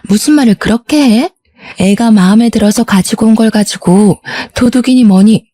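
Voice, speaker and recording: A woman voicing a rude, petty sister-in-law in a story, speaking in a scornful, snappish way, a little higher than her own voice. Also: moderate pace, dark tone, no room sound, natural voice.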